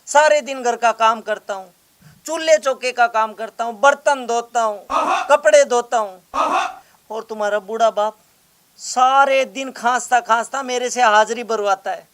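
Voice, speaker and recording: A man's voice: extremely high pitch, a little slow, a bit bright. A man playing a whiny henpecked husband. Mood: fed up. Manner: whining, pleading. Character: henpecked young house-husband, whiny and put-upon. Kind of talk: comedy skit acting.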